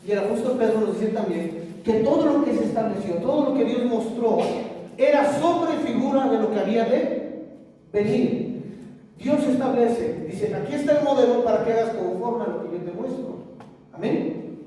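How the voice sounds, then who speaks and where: A man with a Mexican Spanish accent preaches a sermon in a high, mellow voice. He asks the congregation for amens and answers, which pulls them into call-and-response. His voice rings through a large echoey church hall from a distance. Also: normal speed. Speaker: pastor.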